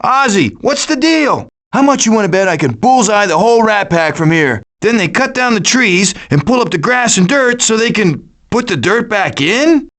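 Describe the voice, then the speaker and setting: A man's voice: sits high, big pitch swings, moderate pace, hardly any pauses, a bit bright. A man voicing a cocky, wisecracking raccoon schemer in a video game, with a glib, sarcastic delivery. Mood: cocky, quippy. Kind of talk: animated video game voice acting.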